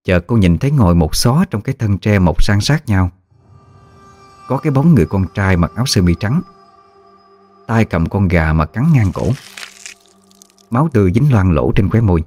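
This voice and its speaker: A man narrating a ghost story in a measured, hushed way. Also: fairly low pitch, lively intonation, soft background music.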